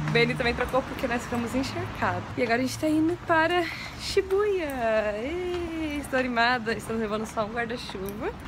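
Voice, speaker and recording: Hardly pausing, a woman with a high voice makes very wide pitch swings over noticeable background noise. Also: moderate pace. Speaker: travel vlogger. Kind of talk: casual vlog. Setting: outdoors. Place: street. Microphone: phone near.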